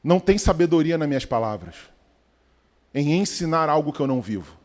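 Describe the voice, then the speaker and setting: A man pastor delivering a sermon, emphatic and rhythmic, with sudden swells and soft low drops. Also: lively intonation, a little fast. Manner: emphatic preaching with rising calls and quiet drops. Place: church sanctuary. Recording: long church reverb.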